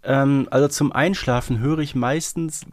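A man's voice: medium pitch, steady tone, a little slow, a little mellow, dry recording. A man from Germany co-hosting a podcast in a casual, conversational way. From Herten, Germany. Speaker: podcast co-host. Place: close, dry podcast recording.

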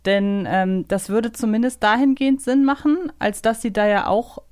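A woman's voice: on the high side, normal speed, darkish tone. A woman co-hosting a podcast, chatting casually through a quiz and thinking aloud as she goes. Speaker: podcast co-host.

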